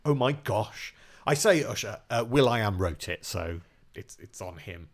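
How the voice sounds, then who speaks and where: A man's voice: fairly low pitch, animated, a little slow. Dry-witted man, co-host. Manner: dry, wry quips and trivia. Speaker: podcast co-host. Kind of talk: casual chat.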